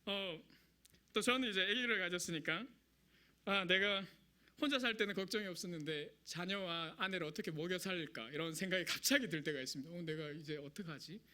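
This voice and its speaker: A man's voice: high-pitched, brisk, sharp tone. A young man preaching a sermon in a conversational, self-deprecating way, speaking with a regional Korean dialect. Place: church sanctuary.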